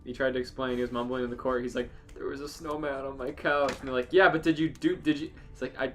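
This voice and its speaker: A man's voice: mid-range voice, steady tone, fast, a bit bright. A man co-hosting a podcast in casual comedic chat. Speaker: podcast co-host. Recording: faint music behind the voice. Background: faint music.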